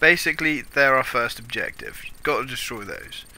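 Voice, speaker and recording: Noticeable noise sits in the background. The speaking pace is moderate. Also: man. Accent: English. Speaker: gamer. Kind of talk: casual gameplay commentary. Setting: low-quality home mic.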